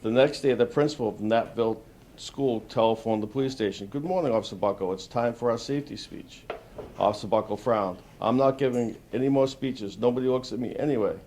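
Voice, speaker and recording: A man's voice: medium pitch, a little fast, warm tone, a little hiss or hum. A man who is a police officer, reading a picture book aloud to children. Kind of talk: children's storybook read-aloud.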